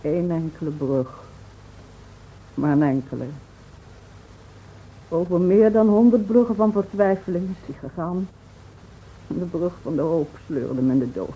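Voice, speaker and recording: An actress playing a grieving, reproachful village woman in a Dutch radio drama, speaking with halting solemnity. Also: lowish voice, animated. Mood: grieving, accusing. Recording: dull, faintly noisy old radio recording.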